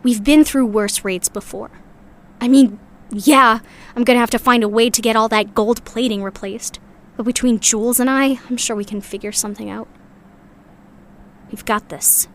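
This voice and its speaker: A woman's voice: fairly high pitch, steady tone, moderate pace, slight background noise, close to an everyday voice. A woman playing a weary, loyal member of a sci-fi underground community in an audio drama, speaking in a reflective, earnest way. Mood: reassuring.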